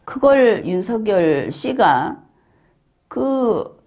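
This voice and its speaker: A woman commentator giving a solo monologue. She talks in a measured, explanatory way with frequent hesitation fillers and retells an interview exchange step by step. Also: medium pitch, big pitch swings, darkish tone. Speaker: legal and political commentator.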